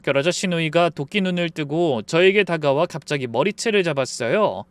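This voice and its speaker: A man reading a scripted first-person drama story in an even, dramatic manner. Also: on the high side, normal speed, smooth, no echo. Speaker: story narrator.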